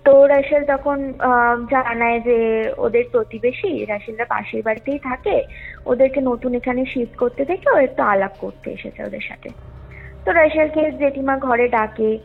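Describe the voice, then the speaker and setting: A woman telling a story conversationally over a call, with hesitant, drawn-out and repetitive phrasing. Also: on the high side, vocal fry, breathy edge. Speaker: caller telling a ghost story. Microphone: phone call. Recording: muffled lo-fi call with music underneath. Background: music.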